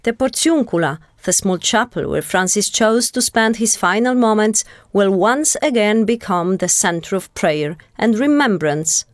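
A woman's voice: medium pitch, expressive, a little slow, hardly any pauses, no room sound, clean studio sound. A woman reading a scripted television news report as a correspondent.

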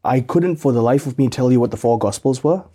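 Male guest, mellow voice. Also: mid-range voice, brisk, husky. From Malaysia. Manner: articulate, explanatory, with repeated starts. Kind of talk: interview storytelling.

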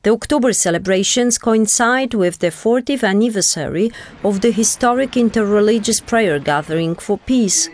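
A woman's voice: mid-range voice, a little mellow. A woman reading a scripted television news report as a correspondent.

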